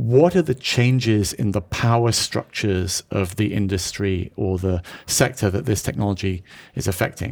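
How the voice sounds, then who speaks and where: In a British accent, a man talks at a moderate pace on a very clean recording with a silent background. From UK. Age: 40s. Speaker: technology writer and keynote speaker. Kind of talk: interview conversation. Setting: at a conference.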